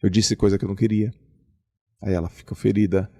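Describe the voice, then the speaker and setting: A middle-aged man hosting a podcast, talking in an emphatic, animated, conversational way. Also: fairly low pitch, fast, breathy edge. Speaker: podcast host. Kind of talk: casual conversation.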